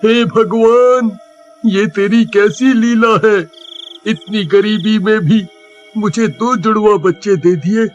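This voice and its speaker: A man voicing a despairing poor village father in a cartoon story, with a halting, anguished delivery. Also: high voice, muffled recording, soft background music. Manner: slow, anguished.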